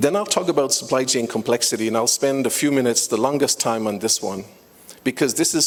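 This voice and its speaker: The talking goes at a very fast pace with ordinary pitch variation over noticeable background noise. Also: man. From Ireland. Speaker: professor. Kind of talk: conference talk. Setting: stage with audience.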